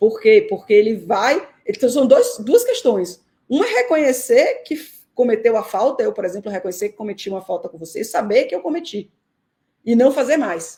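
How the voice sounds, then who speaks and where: A woman speaks at a moderate pace. She talks in a northeastern Brazilian accent. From Brazil, Salvador (Bahia). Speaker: spiritist researcher. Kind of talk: live interview.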